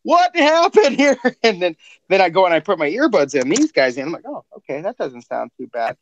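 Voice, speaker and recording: Man hosting a podcast, casual, fairly high voice, dry muffled line. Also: big pitch swings, a little fast, a little hiss or hum. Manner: laid-back, laughs often, says "man". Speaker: podcast host. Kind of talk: casual chat.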